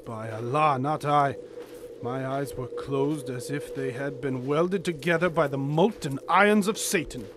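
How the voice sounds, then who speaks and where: An actor playing a devout, superstitious and loyal Muslim desert companion in a radio drama, with archaic, emphatic speech. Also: male voice, medium pitch, measured pace, noisy background, natural voice. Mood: anxious, curious.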